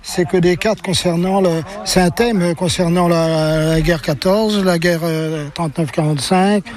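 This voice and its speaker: Older male collector, interviewee, fairly high pitch, halting speech full of fillers. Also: steady tone, a little mellow. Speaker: postcard collector. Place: flea market stall, indoors.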